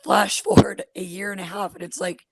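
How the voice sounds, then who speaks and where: A woman's voice: mid-range voice, flat delivery, a little fast, creaky, no room sound. Scratchy-voiced woman in her forties. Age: 40s. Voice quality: super scratchy voice. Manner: self-deprecating, laughs often. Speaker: guest comedian. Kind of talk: casual podcast chat.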